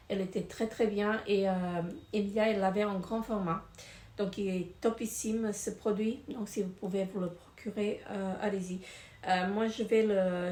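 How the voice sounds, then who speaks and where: A woman's voice: medium pitch, darkish tone. Hesitant woman reviewing products, echoey room. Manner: hesitant, many fillers and repeated words. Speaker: beauty vlogger. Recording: echoey room with faint noise.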